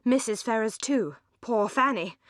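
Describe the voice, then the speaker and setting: A woman voicing a pompous, solemn English gentleman in an audiobook, long-winded and self-satisfied. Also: fairly high pitch, expressive, measured pace, dry recording, studio quality. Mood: solemn, aggrieved. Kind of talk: audiobook character dialogue.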